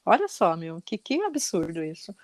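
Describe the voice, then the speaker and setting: A woman hosting a podcast, telling a story in an animated way with many fillers. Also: fairly low pitch, normal speed, no echo. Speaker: podcast host. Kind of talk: casual storytelling conversation.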